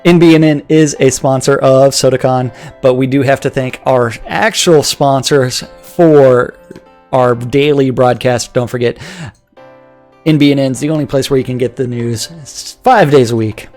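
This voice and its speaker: A man's voice: medium pitch, steady tone, moderate pace, darkish tone, faint music behind. A man co-hosting a casual live show, rambling through a community calendar and sponsor reads with stammered restarts and frequent laughter. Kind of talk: casual livestream chat.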